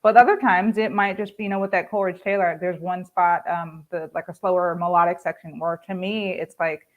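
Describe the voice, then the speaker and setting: A woman's voice: lowish voice, fairly even intonation, brisk, phone-quality sound. A woman guest conductor in casual conversation, chatty and laughing often, full of fillers, over a video call. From United States.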